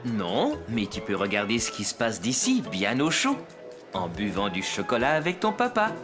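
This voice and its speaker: A man's voice: on the low side, moderate pace, over music. A man voicing a cheerful, kindly, easygoing young father in a children's cartoon. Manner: animated, kindly.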